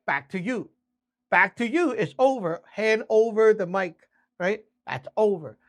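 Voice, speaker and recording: High-pitched man giving a casual lesson. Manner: conversational, frequent check-ins, spells things out step by step. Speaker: instructor teaching radio communication basics. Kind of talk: casual spoken lesson with acted-out example exchanges.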